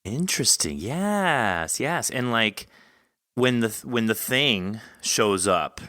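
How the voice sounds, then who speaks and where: Bright-voiced man hosting an interview. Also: mid-range voice, big pitch swings, no room sound, clean studio sound. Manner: halting, thinking aloud, rambling questions. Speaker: podcast host interviewing an author. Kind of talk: conversational interview.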